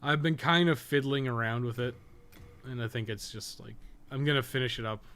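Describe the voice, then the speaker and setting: A man's voice: mid-range voice, a little fast, a bit bright, clear, resonant tone. A man chatting casually on a live game stream, rambling, thinking aloud and swearing freely.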